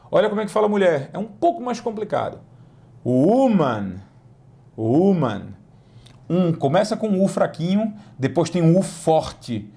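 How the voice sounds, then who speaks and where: Lively gravelly teacher. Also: male voice, fairly high pitch. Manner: slow, drawn-out model pronunciations between quick explanations. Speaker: English teacher. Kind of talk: lively language lesson.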